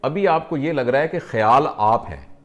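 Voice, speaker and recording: A man, a doctor, calmly counseling a patient and explaining with simple everyday examples. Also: mid-range voice.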